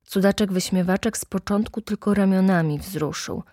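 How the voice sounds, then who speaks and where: A woman reading a children's story aloud slowly and expressively, lively when quoting characters. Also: mid-range voice, dry recording, studio quality. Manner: slow, expressive, animated quoting.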